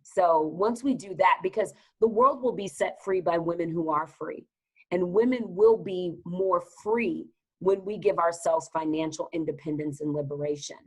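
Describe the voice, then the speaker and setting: A woman from Texas with a Southern accent, speaking as a guest in a podcast interview with an energetic, emphatic, motivational way of talking. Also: lowish voice, normal speed, breathy edge, rough recording. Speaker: guest business advisor.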